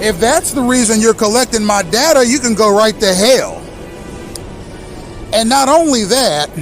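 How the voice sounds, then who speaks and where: A native English-speaking man in his thirties hosts an impassioned monologue addressed straight to the listener, accusatory and emphatic, with slow, deliberate stresses. His voice is high.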